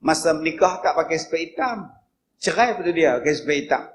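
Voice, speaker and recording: A man with a northern Malay dialect giving a humorous religious lecture as a preacher, telling stories with sudden loud high bursts. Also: animated, a little fast, slight background noise.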